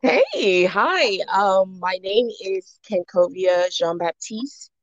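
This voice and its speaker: A woman's voice: mid-range voice, sing-song, slow, dry recording, lo-fi sound. A young woman from the Bahamas, a jewelry designer interviewed as a podcast guest, talking reflectively with many fillers and restarts.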